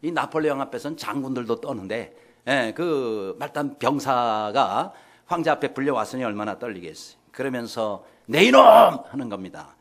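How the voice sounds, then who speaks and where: A man's voice: mid-range voice, moderate pace. A male pastor preaching a sermon in a church, telling stories and speaking directly to his congregation. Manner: animated storytelling, addresses the congregation directly. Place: church sanctuary.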